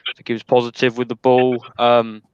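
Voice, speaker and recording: A man giving casual post-match analysis as a fan, in a measured, tentative way. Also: mid-range voice, monotone, clean tone, no room sound, highs cut off. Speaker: football fan panellist.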